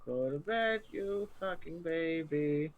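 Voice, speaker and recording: A man co-hosting a casual drawing stream, trading dry, deadpan banter with his friend. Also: a little high, slow pace, phone-quality sound.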